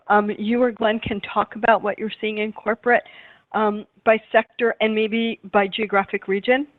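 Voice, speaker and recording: A woman with a raised pitch asks questions as a financial analyst on a conference call. She is polite and conversational. Her audio is close and dry, squeezed through a phone line. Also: dry recording.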